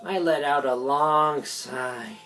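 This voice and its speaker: A woman's voice: deep voice, slow pace, a bit bright. A woman reading a visual novel script aloud as narrator, with game music behind her.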